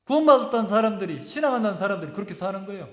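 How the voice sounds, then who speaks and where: High, lively-voiced male pastor preaching. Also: rapid-fire. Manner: emphatic, asks the congregation rhetorical questions. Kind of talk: sermon. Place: church sanctuary. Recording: echoey church hall with long reverb.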